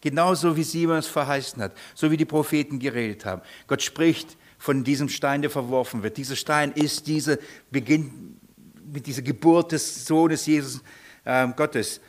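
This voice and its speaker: Male preacher, lively sermon, questions to the listeners, fairly high voice. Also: moderate pace. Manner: animated, repeats nonsense syllables to mimic foreign speech; asks the congregation questions.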